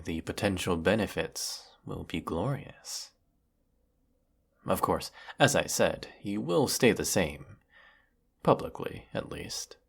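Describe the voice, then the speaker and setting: A very low, slow-speaking galactic tyrant, acted out by a man for a sci-fi roleplay. He is formal, theatrical and quietly menacing, with heavy gravel in the voice. Beneath the cruelty sits a silky, lonely weariness. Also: full character voice. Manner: measured, theatrical, menacing, formal villainous drawl. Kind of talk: scripted sci-fi audio roleplay monologue.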